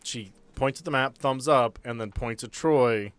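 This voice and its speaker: A man's voice: medium pitch, moderate pace, fairly bright tone, clear, resonant tone, no room sound. A man speaking informally as game master, narrating a tabletop horror game. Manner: informal, profane.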